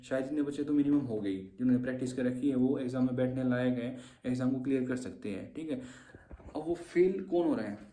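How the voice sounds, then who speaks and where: A man's voice: mid-range voice, warm tone, roomy sound. A man coaching shorthand exam students in an informal lesson, with a habit of repeating "theek hai". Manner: informal and repetitive, often adds "theek hai". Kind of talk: casual exam-tips lesson.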